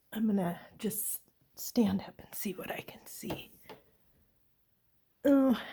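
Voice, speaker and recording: Somewhat breathy and dark, mellow in tone, a woman at a medium pitch with ordinary pitch variation speaks with big swings in loudness and long, frequent pauses. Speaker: tarot teacher. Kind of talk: tutorial. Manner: hesitant, many fillers.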